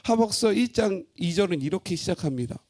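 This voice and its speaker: A man pastor preaching a sermon expressively, asking his congregation questions and swinging between loud and hushed. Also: sits high, lively intonation, fast talker.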